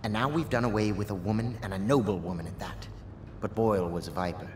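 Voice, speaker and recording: Man as low-voiced grim conspirator. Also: fast, close to an everyday voice. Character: grim, resolute male conspirator. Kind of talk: video game voice acting. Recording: echoey room, clear background noise.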